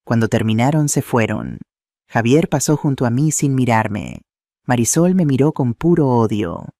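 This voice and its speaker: A man reading a scripted first-person story in a steady, earnest way. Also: mid-range voice, moderate pace, creaky, dry recording, clean studio sound. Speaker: narrator.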